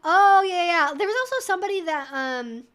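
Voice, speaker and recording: A woman hosting a casual question-and-answer livestream, talking in an animated, emphatic way with conversational asides. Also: very high voice, a little fast. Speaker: livestream host.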